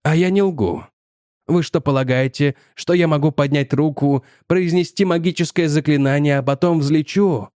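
A calm young male scientist, coolly dismissive and politely evasive, speaking with even composure, as a male audiobook narrator reads him. The sound is dry and close to the mic. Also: fairly high pitch, normal speed, dry recording, natural voice.

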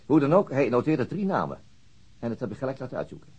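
Playing a methodical and somewhat weary police detective in a naturalistic radio drama, a man explains and ponders, pausing as he thinks out loud. His mid-range, slightly mellow, husky voice moves quickly with huge pitch swings, and the highs are cut off.

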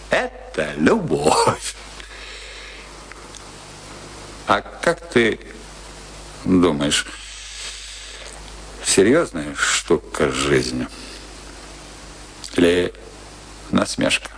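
A wry ageing husband in a radio drama about a bitter marriage. His delivery is slow and theatrical, with a gravelly creak and wide swings between teasing and brooding. There is faint noise on the old recording. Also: low-pitched, huge pitch swings, fairly bright tone, heavily acted, poor audio. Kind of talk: Russian radio play acting, dramatic dialogue.

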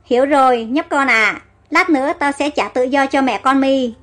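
A woman's voice: high-pitched, moderate pace, fairly bright tone, faint music behind. A woman voicing a frightened young queen. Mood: gentle. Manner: emotional, cries out. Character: young girl heroine, a queen.

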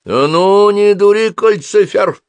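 A man's voice: medium pitch, sing-song, normal speed, vocal fry, no room sound, pitched above the performer's own voice. A man voicing a feisty, bossy old woman who scolds and gives orders. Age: older. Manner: scolding, commanding.

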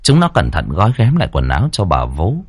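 A man tells a horror story with a vivid, expressive delivery. His husky voice swings widely in pitch and sounds close and dry. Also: fairly quick, no echo. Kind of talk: dramatic horror story narration.

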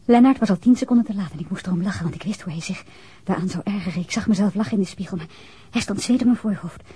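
Very breathy, anxious woman. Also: mid-range voice, rapid-fire, warm tone. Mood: anxious, confiding. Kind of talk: Dutch radio drama monologue.

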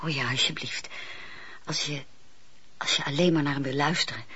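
An actress playing a passionate, earnest wife with an emotional, halting manner in a radio play. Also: female voice, deep voice, fairly even intonation, bright, forceful tone, slightly rough, full character voice. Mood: pleading. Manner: emotional, halting when pressed. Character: passionate, earnest wife pleading with her husband. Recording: dull lo-fi radio play recording.

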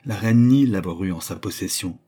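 A desperate male court jeweler pleads and insists, as a male narrator puts him on. The voice is low and husky, with a dark, mellow color. He presses his case in a storybook reading. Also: normal speed. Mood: pleading.

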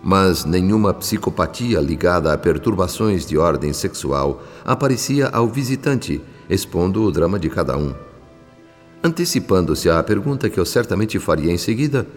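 Deep, solemn spirit narrator with reverb. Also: male voice. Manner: solemn, theatrical, measured. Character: devout male spirit narrating his visits in the afterlife. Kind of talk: scripted radio drama narration. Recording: long reverb, music underneath.

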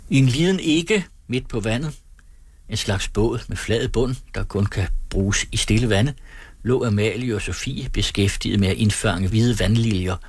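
A man reading aloud from an old novel in a measured, unhurried way, with a husky voice. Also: fairly low pitch.

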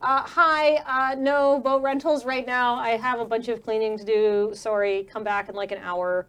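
A woman's voice: a little high, steady tone, normal speed, a bit bright, clean tone, natural voice. Woman doing a grumbling teenage girl. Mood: brusque. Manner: grumbling, exasperated complaining. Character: annoyed teenage girl boat renter. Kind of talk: tabletop role-play character voice.

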